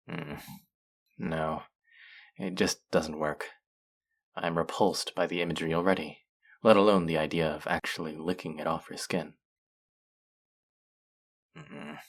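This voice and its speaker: A man's voice: low voice, gravelly, exaggerated voice. A man playing a teasing, sardonic, flirtatious male faerie in a scripted audio roleplay. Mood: teasing, sultry. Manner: sardonic, teasing, drawling with sighs.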